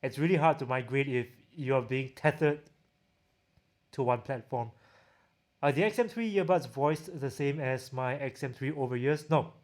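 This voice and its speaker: A man's voice: medium pitch, moderate pace. A man with a Singaporean accent chatting casually as a livestream host, reading out and answering viewer questions. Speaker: livestream host, audio gear reviewer.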